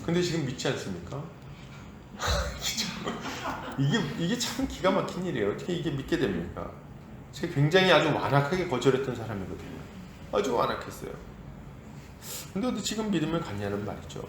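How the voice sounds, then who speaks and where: A male pastor preaching a sermon in a lively, conversational way, acting out quotes as he goes. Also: medium pitch, a little fast, echoey room, noisy background. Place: church sanctuary.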